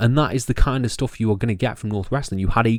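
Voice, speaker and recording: A man with a Stoke accent speaks at a medium pitch on a very clean recording with a silent background. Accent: Stoke-on-Trent (Potteries) accent, noticeable. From England, Stoke-on-Trent. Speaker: wrestling reviewer, YouTuber. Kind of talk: solo video review. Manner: enthusiastic, animated.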